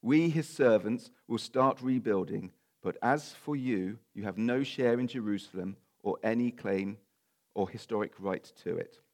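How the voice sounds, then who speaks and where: Croaky, nasal male preacher. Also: fairly low pitch, a little slow, a little mellow. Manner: informal, apologetic asides while reading scripture. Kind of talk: sermon with Bible reading.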